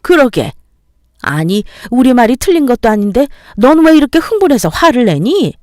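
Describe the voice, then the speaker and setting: A woman's voice: a little high, very animated, normal speed, a little mellow, no echo, clean studio sound. A woman voicing a greedy older mother-in-law who nags and lectures condescendingly in a dramatized story reading. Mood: scolding.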